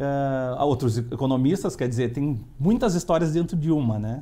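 Somewhat breathy and dark, mellow in tone, a man talks at a moderate pace with lively intonation. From Rio Grande do Sul, Brazil (Cruz Alta); Rio Grande do Sul, Brazil. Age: 40s. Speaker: education business director; interview guest. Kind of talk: interview. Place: studio. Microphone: lapel.

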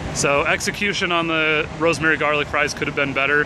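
Noticeable background noise runs under a dry sound with no echo. A man talks at a fairly quick pace. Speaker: food reviewer. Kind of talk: casual vlog review. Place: street. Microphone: phone near.

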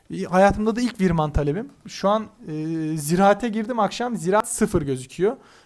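At a moderate pace, a man with a high pitch speaks using lively intonation. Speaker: finance YouTuber, stock investor. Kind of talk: live stream casual commentary. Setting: live stream from home computer. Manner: hesitant, many fillers.

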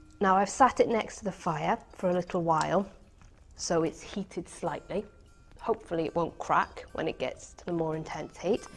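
A woman at a moderate pace, with big swings in loudness, ordinary pitch variation, and faint music in the background. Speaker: presenter. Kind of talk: tutorial. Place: kitchen.

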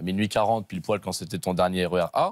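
With a quiet background and a dry sound with no echo, a man talks at a moderate pace with fairly even intonation. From Paris suburbs, France; France. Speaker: chef; guest. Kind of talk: personal testimony. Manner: casual, slangy. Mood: earnest, recounting hard experiences. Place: studio. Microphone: lapel.

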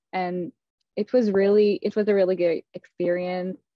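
A woman with a Turkish accent, medium pitch, dry sound with no echo and a quiet background. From Turkey. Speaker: university student; panelist. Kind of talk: panel Q&A. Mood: warm, enthusiastic. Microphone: video call.

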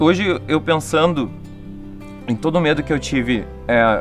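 Faint music plays behind a man speaking with a southern Brazilian accent. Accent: southern Brazilian (gaúcho) Portuguese. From Rio Grande do Sul, Brazil. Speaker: campaign testimonial speaker. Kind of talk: interview answer. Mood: earnest, emotional, reflective. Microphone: lapel.

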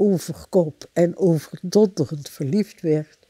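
A woman speaks very slowly in a very deep, low, dark and mellow voice with lively intonation, the sound dry with no echo over a quiet background. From Leiden, Netherlands. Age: 80s+. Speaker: LGBT senior advocate. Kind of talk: interview answer. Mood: reflective, personal storytelling. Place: garden. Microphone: lapel.

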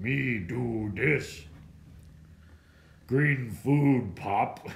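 A man does a put-on character voice at a medium pitch, with audible echo. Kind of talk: broken, primitive speech. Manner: gruff, simple.

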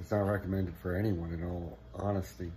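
A man's very deep, low, somewhat breathy voice with a dark, mellow tone, ordinary pitch variation, a moderate pace and light background noise. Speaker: vlogger. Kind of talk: casual vlog chat. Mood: apologetic, reflective. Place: home room. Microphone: phone near.

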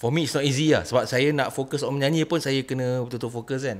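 A man at medium pitch and moderate pace, in a monotone, flat delivery. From Malaysia, Kuala Lumpur; Malaysia. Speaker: podcast host. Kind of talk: casual chat. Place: studio. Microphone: studio mic.

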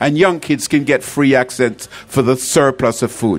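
At a moderate pace, a man talks over faint music in the background. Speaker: speaker. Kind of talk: public speech rant. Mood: indignant, earnest. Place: open country.

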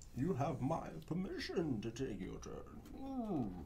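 Using a put-on character voice at a middle pitch, the speaker goes at a fairly slow pace over clear background noise. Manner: grim, serious.

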